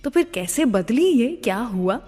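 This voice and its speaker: A woman's voice: a little high, sing-song, moderate pace, warm tone, breathy edge. A woman with an Indian accent presenting a radio show in a dramatic storytelling manner, mixing in some English phrases. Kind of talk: radio presenting, opens with poetry. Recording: long reverb on the voice.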